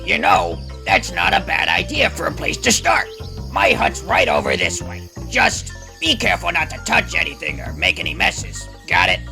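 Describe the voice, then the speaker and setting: Creaky, grumpy old ape. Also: male voice, fairly high pitch, wildly swooping pitch, moderate pace, pushed and bright, faint music behind, heavily acted. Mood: gruff, offhand. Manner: curmudgeonly, folksy. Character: grumpy elderly male ape, scolding village elder. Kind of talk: audio drama character acting.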